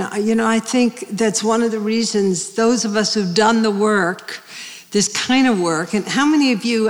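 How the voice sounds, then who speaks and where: A woman in her seventies speaking slowly to a live audience, halting and searching, with many pauses and restarts. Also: medium pitch. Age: 70s. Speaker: speaker on end-of-life care at a public talk. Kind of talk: reflective talk to a live audience. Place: large hall with an audience. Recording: long hall reverb.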